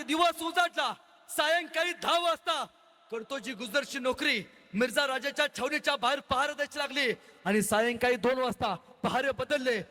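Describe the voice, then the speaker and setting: A man's voice: very high-pitched, pushed and bright. A man from Maharashtra with a Marathi accent, giving an impassioned oration of history and acting out each figure. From Maharashtra, India. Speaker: orator. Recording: echoey hall with long reverb.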